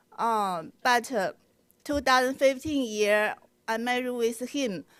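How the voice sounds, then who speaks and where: A woman with a high voice and ordinary pitch variation is heard on a very clean recording with a silent background. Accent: Chinese. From China. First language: Chinese. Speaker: public commenter at hearing. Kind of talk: public testimony. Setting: public hearing room. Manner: halting, many fillers.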